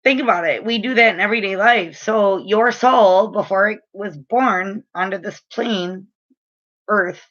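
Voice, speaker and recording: Woman, late 30s, spiritual reader, chatty and earnest, crisp bright tone, a bit muffled. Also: medium pitch, measured pace. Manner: chatty, filler-heavy, earnest and frank. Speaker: spiritual reader and energy healer. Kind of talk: casual spiritual advice talk to camera.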